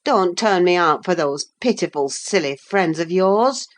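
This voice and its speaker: A brooding, resentful young man who speaks low and sullen, read by a woman. The delivery is very slow and measured, with little change from the reader's own voice. It sounds like an audiobook scene. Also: lively intonation.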